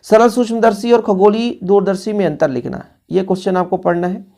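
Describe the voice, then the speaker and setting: A man's voice: sits high, fast talker, gravelly, mellow. A male physics teacher, going over exam revision questions in a casual, brotherly tone and talking straight to his students.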